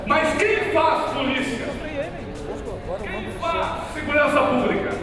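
A man's voice: extremely high pitch, takes it slowly, over music. A man in his forties giving a rousing, rhetorical speech at a podium in a large council chamber, repeating phrases for emphasis. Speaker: city councillor speaking at a session. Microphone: podium microphone heard from afar. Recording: echoey chamber from far off with crowd.

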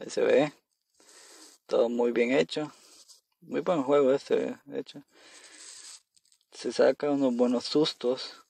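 In a mellow, medium-pitched voice with no room sound, a gamer talks to himself while playing a horror game on his phone. He sounds nervous and casual, and he repeats phrases whenever something scares him.

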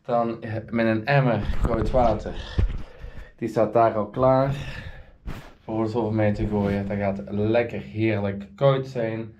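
A man in his thirties with a Flemish accent, chatting casually to his vlog camera in halting phrases. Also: fairly low pitch, flat delivery, darkish tone, muffled recording, slight background noise. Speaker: vlogger. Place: indoors at home, rooms and bathroom. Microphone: camera at arm's length or a few steps.

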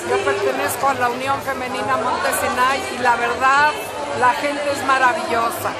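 A woman's voice: high voice, little pitch movement, moderate pace. An older woman, interviewed at a party, speaking graciously about her community. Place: crowded banquet hall at a party. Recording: music and crowd loud behind.

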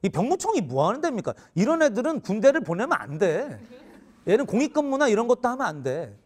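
A man in his forties, a teacher, telling a funny story in an animated way and often laughing mid-sentence. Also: very high voice, quick pace. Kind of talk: humorous storytelling lecture.

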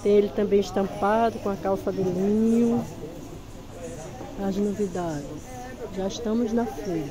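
A woman's voice: mid-range voice, steady tone, measured pace, long pauses, crowd noise. A woman with a Pernambuco accent, an easygoing market stall seller showing off her clothes while filming casually at a busy clothing market. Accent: Pernambuco Portuguese. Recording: noisy crowded market.

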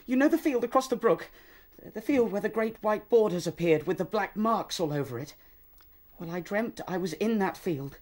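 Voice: medium pitch, darkish tone, lightly acted. A performer playing a small, anxious young male rabbit seer in a radio drama, urgent and fearful.

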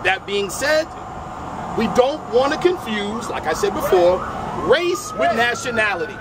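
A middle-aged man debating outdoors on a city sidewalk, speaking into a handheld mic in a measured, lecturing way that repeats its phrases. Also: extremely high pitch, big pitch swings. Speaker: street debater. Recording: noisy outdoor street recording. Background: crowd and traffic noise.

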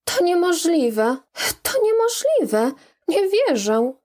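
A woman's voice: high-pitched, normal speed, a little mellow, natural voice. A woman reading an anxious, pleading young lady. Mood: distraught.

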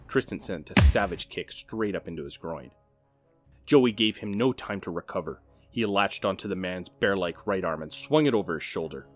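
Deep-voiced man narrating a drama.

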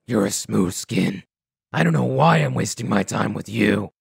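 A man voicing a weary, bitter, self-deprecating ghoul scavenger in a video game, raspy and gravelly, with grudging, halting delivery. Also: on the low side, expressive, dry recording, clean studio sound, heavily acted. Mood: wary, resigned. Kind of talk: video game dialogue acting.

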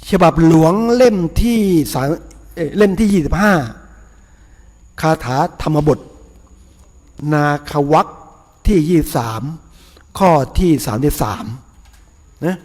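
A man's voice: high-pitched, darkish tone, in a large hall. A man, a Buddhist monk, giving a casual, folksy sermon with rhetorical questions and chuckles. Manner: folksy, chatty, with frequent laughs and rhetorical questions. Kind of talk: casual sermon before a meal. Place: temple hall.

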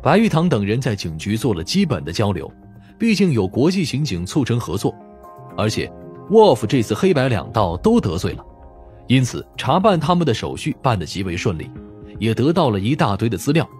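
A man narrates an audiobook in a mid-pitched voice with animated, lively phrasing. His delivery is scripted storytelling, with faint music underneath. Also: moderate pace. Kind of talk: scripted narration of a mystery novel.

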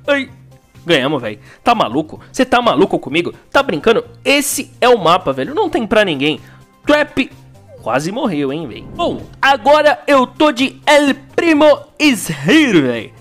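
Excitable Brazilian man narrating gameplay. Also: high-pitched. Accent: Brazilian Portuguese. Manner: excitable, exclamatory, slangy. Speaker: gaming YouTuber.

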